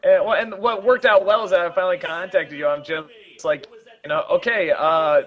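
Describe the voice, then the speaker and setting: A man giving a casual film commentary, talking in a rambling, halting way with many restarts. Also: high voice, steady tone, lo-fi sound.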